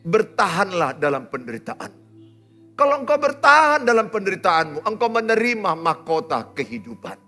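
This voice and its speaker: A man, preaching a sermon as pastor, swinging from loud exhortation to hushed, near-whispered lines. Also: high-pitched, big pitch swings, normal speed, soft background music. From Indonesia. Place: church auditorium.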